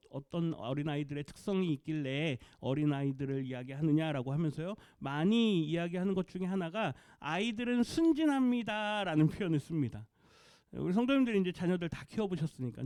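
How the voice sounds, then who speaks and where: Animated man preaching a sermon. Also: sits high, dry recording, clean studio sound. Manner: lively, animated preaching with rhetorical questions and acted-out quotes. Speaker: pastor. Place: church sanctuary.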